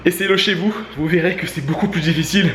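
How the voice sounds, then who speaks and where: A man's voice: high voice, quick pace. A man talking casually to his viewers between sets of push-ups, urging them on like friends in a fitness challenge video. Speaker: YouTuber doing a fitness challenge. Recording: echoey room with faint background noise.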